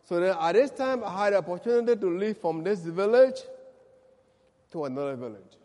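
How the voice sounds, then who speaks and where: A man from Liberia with a Liberian accent, a pastor praying and giving his testimony, speaking slowly and deliberately. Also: high-pitched, darkish tone. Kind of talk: prayer and testimony sermon. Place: church service. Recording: echoey church hall.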